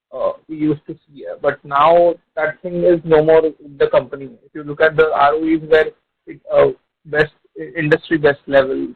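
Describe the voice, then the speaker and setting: Husky Indian man on a phone line. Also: a little high. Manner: persistent, probing. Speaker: investor asking questions. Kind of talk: earnings call questioning. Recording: tinny narrow phone line.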